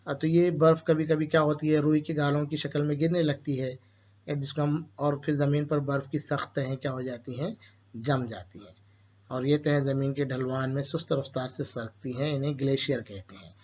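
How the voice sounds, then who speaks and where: A man with an Urdu-speaking Indian accent explains a school lesson to children. He keeps asking questions and answering them himself, in a voice a little higher than most men's. The recording sounds dull and lo-fi. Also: little pitch movement, moderate pace, a little mellow. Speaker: teacher.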